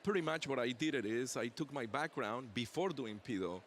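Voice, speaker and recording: At a busy convention exhibit hall, a man who is both a pediatric dentist and a professor sits for a casual interview, teasing himself about how he pronounces things. His voice is medium-pitched and moderately paced, with slight background noise.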